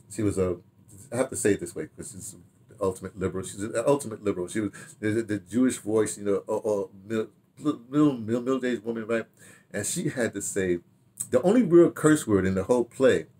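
Older man, husky, lowish pitch, casual reminiscing, animated storyteller, repetitive phrasing, trailing asides. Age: older, 60s or 70s. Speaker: radio drama director reminiscing. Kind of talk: casual rambling reminiscence to camera. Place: small home study, indoors.

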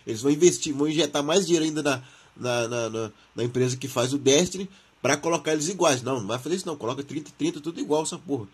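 A man's voice: on the high side, racing, slightly rough. A Brazilian man hosting a gaming channel, reading and commenting on news in informal, slangy talk, his throat sore from the flu.

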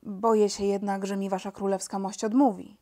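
A woman's voice: medium pitch, flat delivery, normal speed, dark tone, natural voice. A shy old court doctor from a storybook reading, as a woman narrator puts him on. He speaks hesitantly and politely. The voice stays close to the reader's own. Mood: timid. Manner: timid, hesitant.

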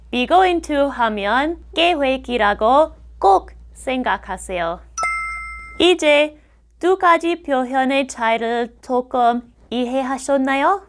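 A middle-aged American woman whose first language is English, teaching grammar on a video lesson and drilling words slowly and carefully. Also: sits high. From United States.

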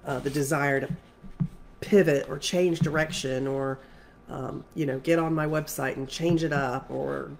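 A woman's voice: very deep voice, steady tone, unhurried, creaky, a little mellow, slight background noise. A woman spiritual coach who is congested, talking casually and rambling with many fillers and restarts. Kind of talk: casual spiritual talk to camera.

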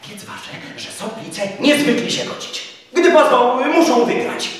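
A man voicing a proud, hot-tempered older country judge in a theatrical verse recitation, shouting stubbornly and indignantly. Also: very high-pitched, sing-song, unhurried, crowd noise, pitched above the performer's own voice, heavily acted. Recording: echoey room from far off.

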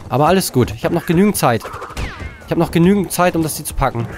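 A man giving live gameplay commentary as a let's play host, frustrated, swearing and talking himself calm, indoors at a desk. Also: on the high side, quick pace.

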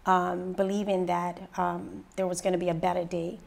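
Gravelly-voiced woman in an interview. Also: moderate pace. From Bermuda. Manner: lively storyteller, rises high when excited. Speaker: interview guest, radio personality and youth mentor. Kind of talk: sit-down interview. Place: living room set indoors.

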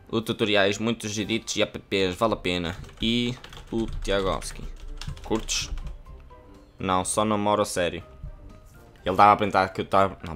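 A man's voice: on the low side, fairly bright tone. A young man from Portugal, joking crudely while he reads chatbot replies aloud in a casual gaming vlog. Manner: jokey, crude, reads typed lines aloud. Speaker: gaming youtuber.

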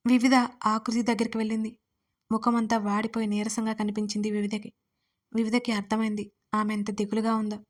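A woman storyteller narrating an audiobook in a steady, even reading voice. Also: on the high side, brisk.

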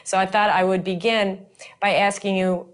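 A middle-aged woman interviewing a business leader, framing her questions in a measured and complimentary way. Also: mid-range voice, flat delivery.

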